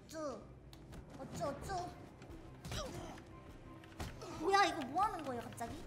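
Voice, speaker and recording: A woman streamer giving live gameplay commentary, excitably and playfully shouting threats at the game, with game music behind her. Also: high-pitched, normal speed. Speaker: VTuber streamer.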